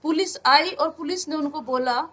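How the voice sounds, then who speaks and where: A woman's voice: high voice, normal speed, bright, forceful tone. A woman giving an urgent, pleading account to a reporter, often addressing him as sir. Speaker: interviewee recounting an assault. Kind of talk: emotional testimony to a reporter.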